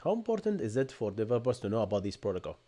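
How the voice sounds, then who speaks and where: A man in his thirties from Bahrain with an Arabic accent, hosting a live-streamed tech Q&A from a home room and explaining things in energetic bursts, often tagging on "right?". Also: lowish voice, racing. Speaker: podcast host. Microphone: desk microphone in front.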